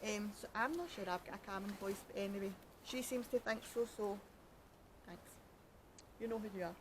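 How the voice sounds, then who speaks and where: This Glaswegian woman, hosting a casual podcast chat by a canal after dark, is cold with freezing fingers and keeps things chatty, self-mocking and rambling with plenty of jokes. Her mid-range voice runs a little fast against a noisy background.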